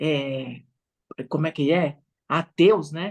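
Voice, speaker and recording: Her pitch sits fairly low for a woman. The intonation of this woman's speech is fairly even. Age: 60s. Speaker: spiritist study group leader. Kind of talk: casual religious discussion; guided meditation. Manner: halting, hesitant.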